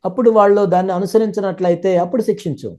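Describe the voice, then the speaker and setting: Rapid, dark-toned male interpreter. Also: sits high, fairly even intonation. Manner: rapid, fluent, running sentences together. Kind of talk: live sermon interpretation.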